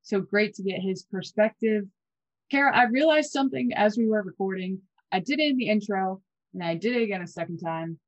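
A woman in her twenties co-hosting a college basketball podcast, chatty and quick with fillers and restarts. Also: medium pitch, no echo, lo-fi sound. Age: 20s. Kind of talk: casual sports podcast chat.

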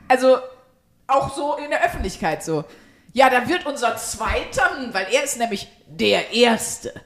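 Blunt, high-voiced woman chatting on a podcast. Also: animated, a little slow, a bit bright, slight background noise. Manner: blunt, sweary, exaggerated indignation. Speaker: podcast host. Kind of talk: casual comedic podcast chat.

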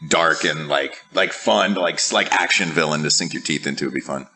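A man's voice: a bass voice, fairly quick, pushed and bright. A man who works as a voice actor, talking hesitantly with many fillers. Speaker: voice actor guest. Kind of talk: casual panel chat.

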